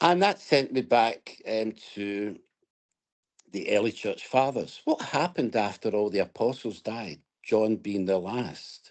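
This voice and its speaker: A man with a Scottish accent speaks at a medium pitch. He moves at a fairly slow pace against a quiet background. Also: ordinary pitch variation. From Scotland, Glasgow. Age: 60s. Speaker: interviewee sharing faith journey. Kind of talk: interview testimony.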